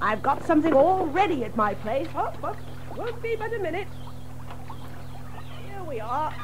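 A chatty water rat from a children's audio drama. The voice is high and swoops with animation. The manner is hearty and exclamatory, full of little hesitations, over faint background noise. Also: female voice, very animated, moderate pace. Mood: brisk, hearty. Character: chatty, friendly water rat, keen boater of the riverbank.

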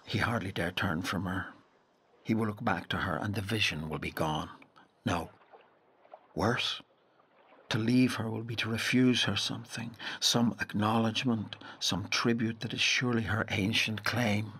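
Storyteller for an audio drama, lowish voice, brooding and lyrical, really measured. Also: male voice, fairly bright tone, slightly rough. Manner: measured, lyrical, deliberate phrasing. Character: brooding male storyteller of a boy's lonely journey. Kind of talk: literary audio drama narration.

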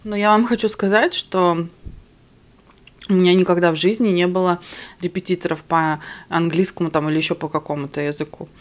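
Recorded by a camera sitting on the table before her, this young adult mukbang vlogger talks casually indoors in her home living room as she eats. Russian isn't her first language, and her voice runs on the low side, a little fast, with fairly even intonation.

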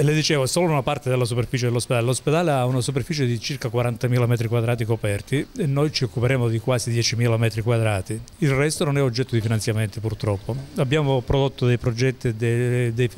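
A man's voice: medium pitch, a little mellow, slight background noise. A middle-aged man, a hospital official, explaining project figures to a reporter in a businesslike way at a hospital entrance at night. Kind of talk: news interview.

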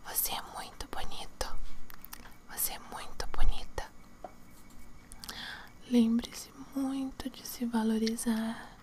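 A young woman hosts in a hushed, breathy ASMR whisper, very close to the mic. Her delivery is unhurried and soothing, with softly repeated words and an even, gentle line. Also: on the high side. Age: young adult. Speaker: ASMR video host. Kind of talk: ASMR whisper, relaxation triggers. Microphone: close to the mic, face near camera.

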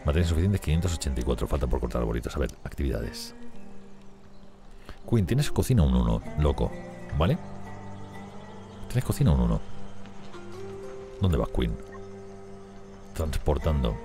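Man, very low voice, lively pitch, chatty game commentary, clear music behind. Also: normal speed, pauses often. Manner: chatty, talks to his characters. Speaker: gameplay youtuber.

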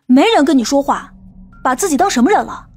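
A woman acts out an earnest young policewoman in an audiobook drama. She speaks in a high voice with an urgent, questioning delivery. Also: expressive, fast, a little mellow, faint music behind. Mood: brusque.

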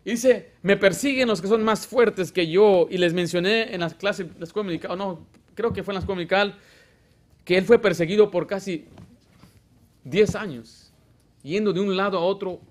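High-voiced preaching pastor. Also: male voice, moderate pace. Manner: preaching with sudden loud and soft swings, rhetorical questions to the congregation. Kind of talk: Spanish-language Baptist sermon. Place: church sanctuary.

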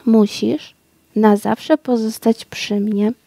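A woman's voice: mid-range voice, level tone, slow pace, creaky, mellow, no echo. A woman voicing an old, recovering emperor in a storybook reading, speaking earnestly and with fervour. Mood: grateful. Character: old sick emperor, grateful and majestic.

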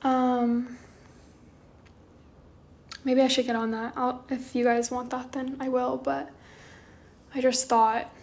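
Soft-spoken young woman on a phone live. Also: sits high, flat delivery. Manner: soft, drowsy and unhurried, often trailing off. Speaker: livestream host. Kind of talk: casual chat answering viewer comments. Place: small bedroom indoors. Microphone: phone held close, front camera.

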